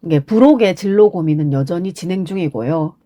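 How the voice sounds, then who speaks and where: A woman's voice: lowish voice, animated, fairly quick, mellow. A woman podcast host talking casually on her own, congested and nasal from a cold. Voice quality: heavily congested, stuffed-nose nasal voice. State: has a cold, sniffling and throat-clearing. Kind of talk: casual solo podcast monologue.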